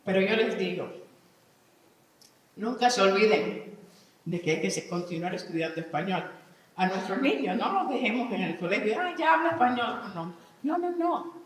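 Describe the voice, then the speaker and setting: A woman's voice: mid-range voice, animated, moderate pace, long pauses. A woman giving a live conference talk, teaching English vocabulary, reading word lists aloud and putting questions to the audience. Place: large conference hall. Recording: echoey hall from far off.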